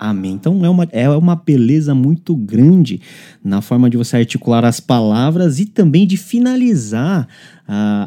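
A man's fairly high, dark, mellow voice with very wide pitch swings at a fairly slow pace. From Korean heritage, Brazil. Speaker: podcast host. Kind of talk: podcast interview.

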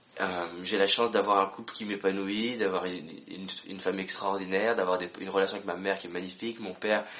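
A man's fairly low, fairly quick voice over noticeable background noise. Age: 20s. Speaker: motivational speaker. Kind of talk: motivational talk to camera. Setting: hotel suite. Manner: animated, frequent hesitations.

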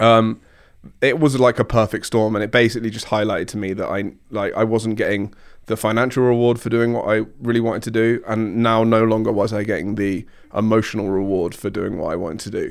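Here, a man with an American accent speaks at medium pitch with fairly even intonation. The recording is very clean, with a silent background. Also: fairly quick pace. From England, Surrey. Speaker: fitness coach turned tech worker. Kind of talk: casual chat. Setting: studio.

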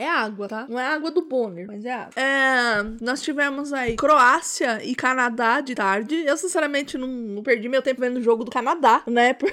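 A woman speaks in a raised, projected voice with an animated, bright, sharp tone and high pitch. She keeps a moderate pace with hardly any pauses and ordinary pitch variation. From São Paulo, Brazil. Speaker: podcast host. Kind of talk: casual chat. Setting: home studio.

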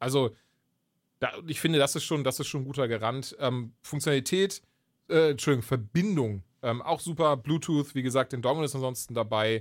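A man's medium-pitched voice at a moderate pace with ordinary pitch variation. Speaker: gaming podcast host. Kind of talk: casual chat. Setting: home recording, remote. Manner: animated, rambling.

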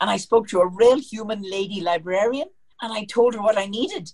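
A woman with a Belfast accent and ordinary pitch variation. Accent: Belfast Northern Irish. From Northern Ireland, Belfast. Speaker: geologist and oil explorer. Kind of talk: casual interview.

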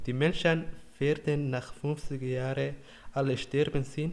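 A man with a Somali accent at a fairly slow pace. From Somalia. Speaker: language learner. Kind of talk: reading aloud.

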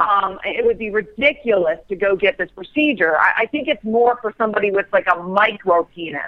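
Over noticeable background noise, a woman talks in a fairly high voice with lively intonation. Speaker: sex advice doctor. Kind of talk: interview, advice. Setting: phone call.

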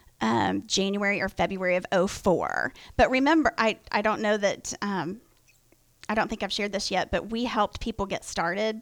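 In a very clean recording with a silent background, a woman with vocal fry speaks at a moderate pace, her medium pitch showing ordinary pitch variation. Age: 40s. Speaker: franchise founder. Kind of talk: casual chat.

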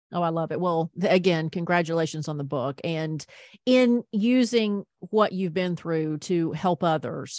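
An unremarkable speaking voice at a fairly slow pace with ordinary pitch variation, dry, close sound with no echo and a quiet background. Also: woman, fairly low pitch for a woman. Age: 50s. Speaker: podcast host. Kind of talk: interview.

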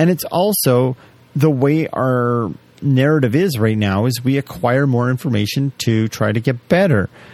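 Using a normal speaking voice, a man talks at a moderate pace with a medium pitch, lively intonation, and very even loudness. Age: 30s. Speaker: podcast host and financial planner. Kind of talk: solo podcast monologue.

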